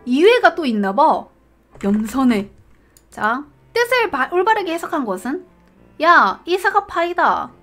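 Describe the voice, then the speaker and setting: Lively, high, bright young woman streamer. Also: a little slow, faint music behind. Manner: reads questions aloud, puzzles over answers, laughs often. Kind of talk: casual live-stream quiz commentary.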